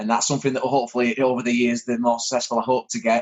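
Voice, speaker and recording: With a North Yorkshire accent, a man talks at a very fast pace. His medium-pitched voice carries an animated tone. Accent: Northern Yorkshire. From northern England, Barnsley, South Yorkshire. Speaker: aspiring actor, acting student. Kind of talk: podcast interview. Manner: animated, with many false starts and repetitions.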